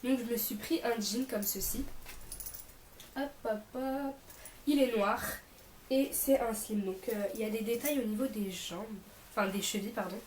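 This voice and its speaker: A woman's voice: on the high side, moderate pace, darkish tone, echoey room, a little hiss or hum, poor audio. A young woman vlogging casually to camera in an informal, rambling way, her voice a bit off because she is mildly ill. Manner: informal, rambling, self-correcting. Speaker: vlogger presenting a shopping haul.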